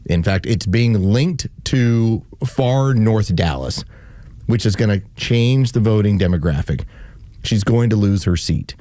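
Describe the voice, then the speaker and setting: A man's voice: on the low side, measured pace, warm tone, no echo, clean studio sound. A man hosting political talk radio, giving emphatic commentary with a sarcastic edge and mock quotes. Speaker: radio show host.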